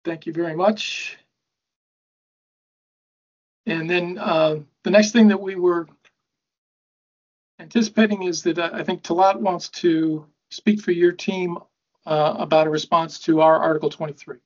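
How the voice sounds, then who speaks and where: A man speaking in a formal bargaining meeting over a video call, measured and procedural. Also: on the high side, steady tone, a little mellow, highs cut off. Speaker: university bargaining representative.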